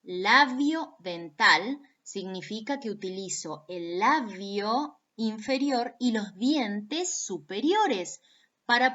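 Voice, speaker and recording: An Argentine woman with an Argentine Spanish accent gives a recorded video lecture on phonetics, slowly and patiently. Her voice is on the high side and a bit bright, captured with lo-fi sound. She demonstrates sounds aloud and speaks directly to her students.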